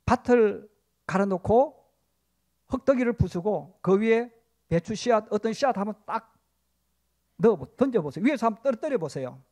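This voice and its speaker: A man with a notably high voice delivers a Sunday sermon. He preaches with fervor, addressing the congregation directly and acting out confessions and stern rebukes. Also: animated, normal speed, pauses often, a little mellow. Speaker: pastor.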